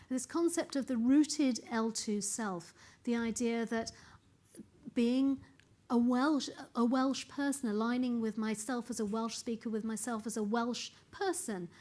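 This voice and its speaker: A middle-aged woman researcher gives an earnest conference presentation in a lecture room. Her voice sits slightly high, and her emphatic delivery often doubles back on words as she gathers her thoughts. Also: a little mellow. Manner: earnest, emphatic, repeats words while thinking.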